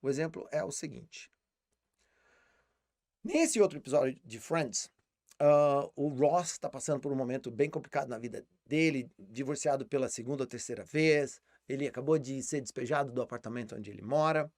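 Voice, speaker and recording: A man's voice: mid-range voice, normal speed, a little mellow, dry recording, studio quality. A man with a Brazilian Portuguese accent teaching English in a live online lesson, explaining patiently and repeating words as he thinks.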